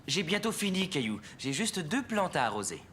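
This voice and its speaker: An actress playing a calm, friendly grown-up in a children's cartoon. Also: female voice, lowish voice, normal speed, slight background noise. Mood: calm, kind. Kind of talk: French-language children's cartoon dialogue.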